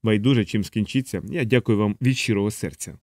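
A man's voice: lowish voice, brisk, a little mellow, dry recording, studio quality, close to an everyday voice. A man voicing a frightened, sarcastic human traveler in an audiobook. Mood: pleading. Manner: sarcastic, pleading.

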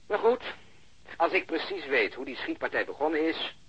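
A man playing a blunt, cynical policeman in a radio drama, talkative and sardonic, with a rough voice over a phone line. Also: fairly high pitch, sing-song, moderate pace, a bit bright, heavily acted. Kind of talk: Dutch radio drama acting. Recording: muffled band-limited phone line.

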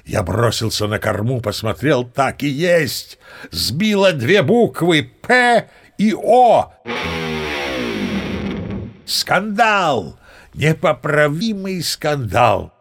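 A man's voice: on the high side, very animated, very slow, pauses often, soft background music, exaggerated voice. An actor playing a boastful old sea captain who tells tall tales expressively in an audio play, savoring his words. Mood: flustered, dismayed. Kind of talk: theatrical storytelling in an audio play.

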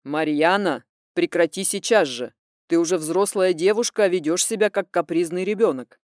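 Woman doing a stern middle-aged father, lowered voice, clipped, commanding, dry sound. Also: normal speed, darkish tone, no echo, lightly acted. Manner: stern, through gritted teeth.

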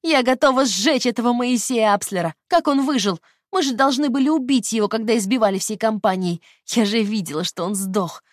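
Female narrator voicing a hypnotized woman, shrill, childlike, spiteful, high-pitched, loud. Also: a little fast, no room sound, studio quality, lightly acted.

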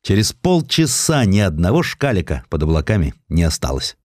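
A man with a low voice narrates a historical tale in a theatrical, ironic manner. His intonation swings widely from phrase to phrase. The sound is very dry, with no room around it. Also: very animated, moderate pace, no room sound. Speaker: narrator of a historical audio sketch. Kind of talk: expressive scripted literary narration.

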